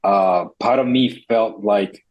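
A man's voice: on the low side, slow pace, lo-fi sound. A man from the Dominican Republic, a startup founder telling his story in an interview, earnest and reflective with many restarts.

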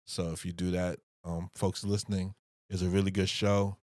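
A man hosts a podcast in a loose, friendly way, chuckling often and circling back on his words. His voice sits a bit low, and the sound is dry and close. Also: flat delivery, normal speed, darkish tone, no room sound. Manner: friendly, chuckling, repeats himself. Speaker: podcast host. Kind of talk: casual chat.

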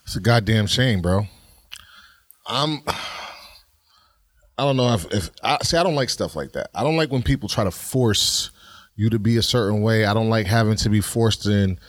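An outspoken man with an African American New York accent talks casually as a podcast co-host. His voice sits a little low and is recorded dry and close, and he leans on slang and swearing as he gives his opinions. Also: normal speed, no echo. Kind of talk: casual chat.

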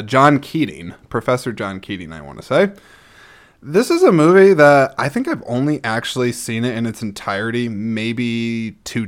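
A man hosting a casual solo vlog, rambling along in a chatty, enthusiastic way as he gives his opinions. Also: fairly low pitch. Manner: enthusiastic, chatty, frequent throat-clearing. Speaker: host reviewing own movie collection.

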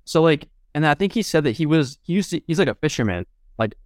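A young man hosting a casual podcast interview, relaxed and full of "like" and "I guess". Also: a little high, fast talker, dry recording, clean studio sound. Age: young adult. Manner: relaxed, lots of "like" and "I guess" fillers. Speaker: podcast host.

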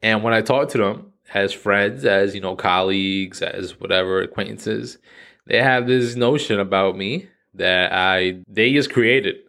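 A man in his thirties talking casually and profanely to his audience in an animated, slangy rant. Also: on the low side, a little slow, gravelly. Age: 30s. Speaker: vlogger. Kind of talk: casual monologue to camera.

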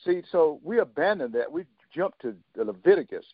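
A man in his seventies, a guest on a talk radio show, telling his story haltingly with many fillers and restarts and quoting others in dialogue. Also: fairly high pitch, sing-song, dry recording. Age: 70s. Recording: dry, tinny phone line.

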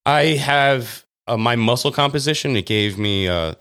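A man co-hosting a podcast in casual banter, blunt, jokey and quick to swear. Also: medium pitch, expressive, fairly bright tone, smooth. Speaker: podcast co-host.

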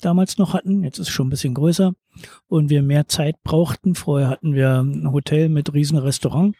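A man's voice: on the high side, steady tone, a little fast, mellow, husky, dry recording. Easygoing man from eastern Germany, dry sound. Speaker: beach bar and holiday flat owner. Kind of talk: interview answers. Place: outdoors at a beach bar.

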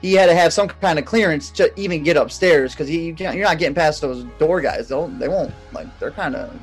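A man with a notably high voice, chatting on a podcast. He rambles through a story in easy slang and trails off into "you know" and "like". His delivery is loose and unhurried. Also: faint music behind. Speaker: podcast co-host. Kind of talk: casual chat.

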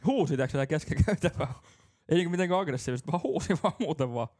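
A man's voice: a little high, animated, darkish tone. Laughing rambling young Finnish man. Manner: rambling storyteller, laughs often. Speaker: podcast co-host. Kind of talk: casual chat.

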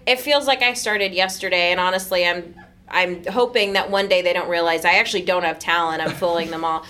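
A woman's voice: fairly low pitch, fairly even intonation, fairly quick, bright, forceful tone, slight background noise. A woman in her thirties, a voice actor guest, chatting casually in an interview, laughing often and joking at her own expense. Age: 30s. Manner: laughs often, self-mocking sarcasm.

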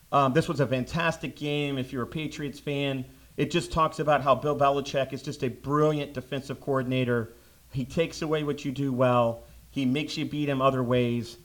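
A man's voice: fairly high pitch, a bit bright. Passionate man ranting about sports. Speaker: podcast host. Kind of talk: casual sports talk.

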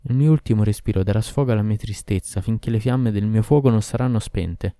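A man's voice: fairly low pitch, brisk, dark tone, dry recording, clean studio sound, close to an everyday voice. A man voicing a passionate, cruel sorceress queen in a storybook reading, lamenting and pleading. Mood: lovesick lament.

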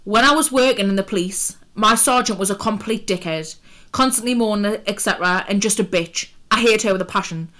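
A woman's voice: medium pitch, fairly quick, a bit bright. Hungover woman podcaster. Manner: chatty, jokey, sweary. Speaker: podcast co-host. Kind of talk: casual chat.

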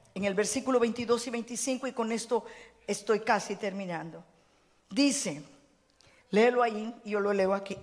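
A woman pastor preaching a sermon, putting questions to the congregation. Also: fairly high pitch. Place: church hall. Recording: long reverb of a church hall.

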